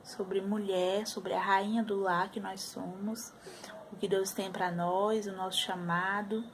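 Mother in her thirties, soft and chatty home vlogger, faint hiss under the voice. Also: medium pitch, level tone, takes it slowly. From Brazil. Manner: soft, chatty, sliding into baby talk. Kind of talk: casual home vlog. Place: apartment at home.

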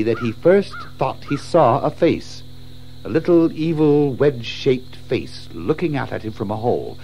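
A man narrates a storybook with theatrical suspense. His medium-pitched voice rises and falls widely, with faint music underneath. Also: mellow, poor audio. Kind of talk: dramatic scripted storytelling.

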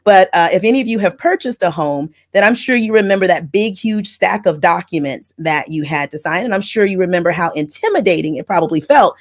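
Woman, middle-aged, low-ish voice, wordy and chatty, earbud mic, video call from a home office. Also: lively intonation, brisk, few pauses. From from Florida, raised in Texas. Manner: wordy, chatty, explains in detail. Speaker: mobile notary loan signing agent and channel host. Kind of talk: casual interview storytelling. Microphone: earbud headset on a video call.

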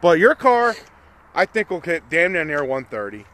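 A man's voice: a little high, sing-song, moderate pace, fairly bright tone. A man in his thirties chatting casually about cars in an outdoor parking lot, filming on a phone, laughing often and swearing casually. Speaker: car vlogger. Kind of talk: casual chat. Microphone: phone camera held by speaker. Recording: outdoor noise from cars and wind.

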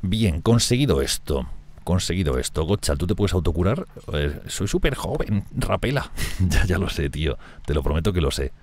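A man commenting on a strategy game he is playing, talking fast and excitably, swearing and laughing often. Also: deep voice, background noise. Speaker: gameplay streamer.

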